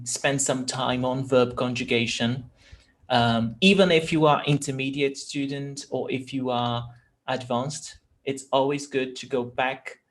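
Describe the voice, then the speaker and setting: A man teaching an informal language lesson, explaining in short phrases with pauses. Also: mid-range voice.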